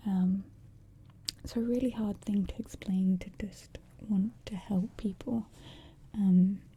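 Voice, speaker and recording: A woman's medium-pitched, somewhat breathy voice, dark and mellow with a relaxed, gentle tone, monotone and flat, at a fairly slow pace. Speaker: ASMR artist and streamer. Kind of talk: casual talk to camera, personal story. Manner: soft-spoken, relaxed, gentle.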